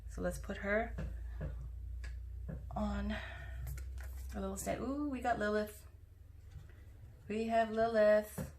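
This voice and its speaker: A woman's voice: mid-range voice, fairly even intonation, takes it slowly, long pauses, darkish tone, a little hiss or hum. A woman giving a casual, chatty tarot reading to her viewers, with loose asides and fillers. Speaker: tarot reader.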